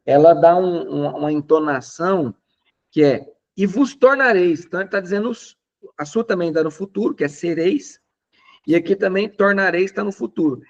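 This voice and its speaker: A man with a Brazilian Portuguese accent preaching a lively, conversational sermon. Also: a little high, moderate pace, creaky, muffled recording. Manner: animated, emphatic, conversational preaching. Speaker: pastor.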